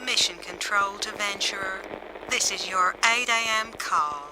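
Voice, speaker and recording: An actress playing a mission control operator, heard over a spacecraft radio link and calling the crew in brisk, clipped procedural talk. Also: female voice, mid-range voice. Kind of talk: old-time radio drama acting. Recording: hissy old radio broadcast.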